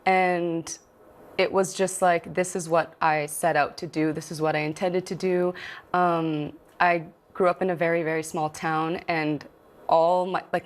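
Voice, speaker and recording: A young woman singer, born in Morocco and raised in Canada, talking earnestly as a guest in a TV studio interview, with plenty of ums and likes. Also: low-pitched. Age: young adult.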